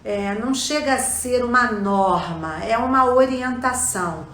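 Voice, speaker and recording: A woman's voice: fairly high pitch, unhurried, fairly bright tone. A woman with a Brazilian Portuguese accent teaching a lesson, explaining step by step and often checking in with her listeners. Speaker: language teacher. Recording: echoey room.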